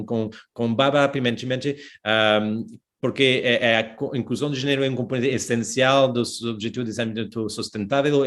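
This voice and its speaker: Hesitant French-accented man moderating. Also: mid-range voice. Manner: halting, many fillers and restarts. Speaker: webinar moderator. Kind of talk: hesitant panel introduction.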